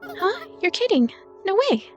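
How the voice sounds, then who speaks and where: A woman voicing an excitable young girl from a visual novel, exclaiming as she goes. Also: very high-pitched, unhurried, lo-fi sound, faint music behind, pitched above the performer's own voice, exaggerated voice. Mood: startled disbelief. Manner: exclaiming, disbelieving.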